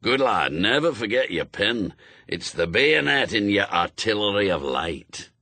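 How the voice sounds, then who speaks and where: A man voicing an old, zealous male witchfinder sergeant who barks orders in a gruff, pompous way. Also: lowish voice, big pitch swings, measured pace, bright, forceful tone, no echo, full character voice. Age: older.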